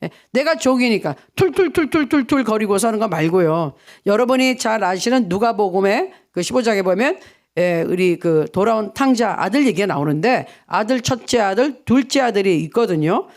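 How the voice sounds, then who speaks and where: A man's voice: high-pitched, lively intonation, normal speed. Male pastor, morning sermon, rhetorical questions, acts out quoted voices.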